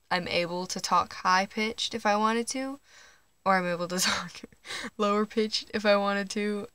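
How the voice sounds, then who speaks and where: A teenage trans guy talking quietly and hesitantly at night under his bed, recording on a phone, with nervous laughs. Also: sits high, clean tone, dry recording. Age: teens. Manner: hushed late-night talking. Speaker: vlogger. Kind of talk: casual personal vlog. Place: under a bed at home, indoors. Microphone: phone camera.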